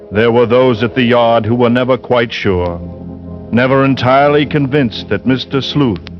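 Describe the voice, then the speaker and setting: An actor playing a fanatical male lodger who speaks in a ranting, biblical cadence and drops to a hushed, insinuating tone, in 1940s radio acting on a dull old broadcast. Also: medium pitch, lightly acted. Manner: hushed, insinuating when calm. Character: fanatical, scripture-quoting male killer lodger.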